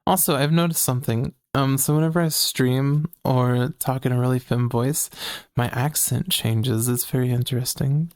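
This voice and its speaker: A trans woman co-hosts a casual podcast, chatty and animated, giggling and laughing often while sounding tired and working on a feminine voice. She is a podcast co-host and streamer with a bass voice at a moderate pace. The recording is studio quality with no echo.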